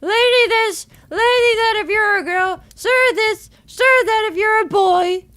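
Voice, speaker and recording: A woman's voice: very high voice, unhurried, a bit bright, no echo, voice pushed up. A woman voicing a hot-tempered, sarcastic young woman in a fantasy game, brash, snappy and taunting. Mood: mocking.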